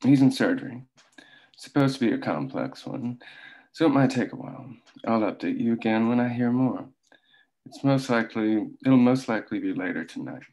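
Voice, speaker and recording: A man's voice: medium pitch, expressive, normal speed, a little mellow, natural voice, rough recording. A man reading the part of a smug, condescending man bringing news at a table read.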